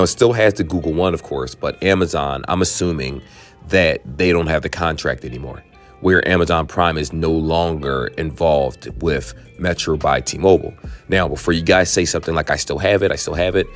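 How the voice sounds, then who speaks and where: Hoarse, very deep-voiced man. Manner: chatty, frank, drifts into asides. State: hoarse, voice worn out. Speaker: tech channel host. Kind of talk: casual explainer talking to viewers.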